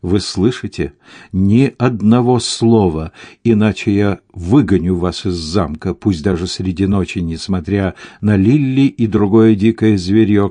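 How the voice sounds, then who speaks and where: A man's voice: deep voice, dark tone, no echo, studio quality. Stern young castle mistress, read by a man. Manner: quick, firm and commanding.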